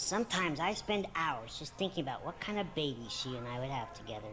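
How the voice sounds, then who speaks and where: Putting on a character voice, a man speaks very fast at a fairly high pitch. Background noise is clearly audible. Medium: video game. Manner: chatty.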